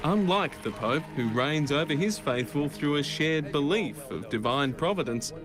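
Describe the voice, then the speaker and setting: Brief: male narrator, measured scripted read, clearly audible music bed behind. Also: fairly high pitch, lively intonation. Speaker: documentary narrator. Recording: clip played with music under it.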